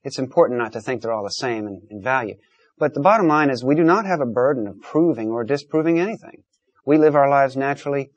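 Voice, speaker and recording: A man's voice: mid-range voice, dry recording. A man hosting a call-in debate, talking in an emphatic, blunt, lecturing way. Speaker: talk show host.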